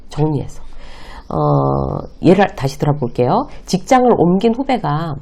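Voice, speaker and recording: A woman's voice: medium pitch, gravelly, dark tone. A middle-aged woman giving a lecture on workplace communication, explaining point by point and acting out short example lines. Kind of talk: lecture to camera.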